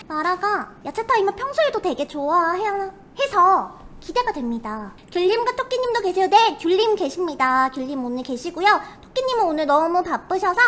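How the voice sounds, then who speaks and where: A woman's voice: extremely high pitch, fairly bright tone. A woman with a girlish, cutesy voice, hosting a casual snack review livestream in a polite, perky way. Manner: polite, perky, refers to herself by name.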